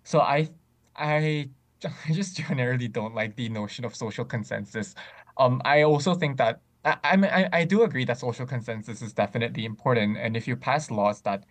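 A man in casual discussion, speaking thoughtfully with frequent pauses and restarts. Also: medium pitch. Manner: many fillers and restarts, thoughtful.

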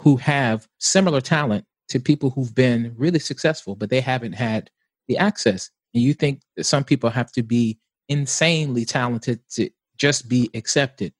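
A man's voice: medium pitch, normal speed, dry recording. A man, an opera tenor, giving thoughtful, earnest interview answers.

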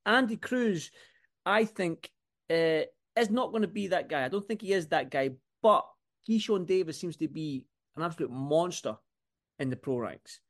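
Podcast host, male, Scottish accent, notably high voice, rambling casual sports talk with repeated phrases. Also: animated, normal speed. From Scotland.

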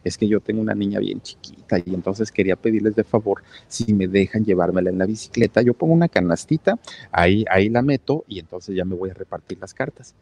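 A worried, pleading poor father who works as a mailman, as a man puts him on in his own husky, low voice. He sounds like a plain storyteller's quote rather than a full character voice. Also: a little fast, a little mellow, dry recording. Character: poor hard-drinking father working as a mailman.

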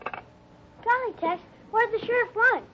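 A performer playing an earnest, excitable young ranch boy in a 1950s radio drama. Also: very high-pitched, slow, slight background noise. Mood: worried. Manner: eager, wholesome exclamations. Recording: muffled old radio recording.

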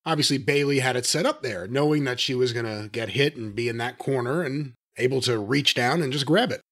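A man co-hosting a podcast, speaking earnestly and in a measured way, gently skeptical in casual chat. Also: mid-range voice. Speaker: podcast co-host.

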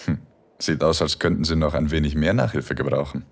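A man playing a calm, teasing male philosophy professor in an audio drama. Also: very deep voice, fairly quick, faint music behind. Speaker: tutor.

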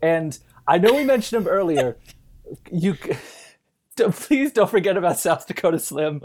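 A woman's voice: lowish voice, normal speed. A woman podcast co-host telling movie scenes in casual, incredulous, giggly conversation. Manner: giggly, incredulous, animated storytelling. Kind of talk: casual comic movie chat.

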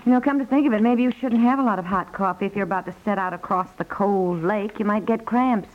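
A woman's voice: medium pitch, fast, slight background noise, close to an everyday voice. An actress playing a practical, fussing wife and mother in a 1950s radio comedy, wry and chiding, with an American accent. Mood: fussing, exasperated. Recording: tinny band-limited 1950s radio recording.

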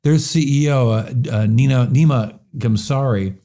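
A man's voice: mid-range voice, a little slow, warm tone. A man hosting a business talk show, talking in a chatty, opinionated way with plenty of fillers. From US Midwest. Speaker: show host.

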